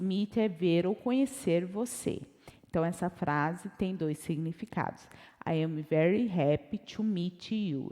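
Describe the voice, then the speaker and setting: Woman teacher, mellow voice, echoey room. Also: fairly low pitch. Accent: Brazilian Portuguese. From Brazil. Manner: slow, careful repetition of English phrases. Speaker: English teacher. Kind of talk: online language lesson with slides.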